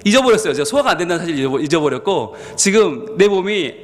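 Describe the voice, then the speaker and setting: A male senior pastor preaching a sermon, with sudden swings in pitch and volume, acting out what his listeners might think in quoted asides. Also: very animated, fast talker, in a large hall. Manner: acts out the congregation's thoughts in quoted asides. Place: church sanctuary.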